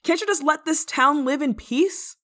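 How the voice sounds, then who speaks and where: In a dramatic roleplay monologue, a woman plays a stern yet kind-hearted village nun, scolding and teasing with theatrical pauses. Her high, sharp voice carries a stern, confronting mood.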